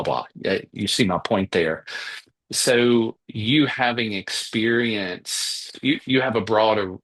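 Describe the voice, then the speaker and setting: Low-voiced man hosting a podcast. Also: a bit bright. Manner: affirming, repeats words as he thinks. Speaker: podcast host. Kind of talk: reflective interview conversation.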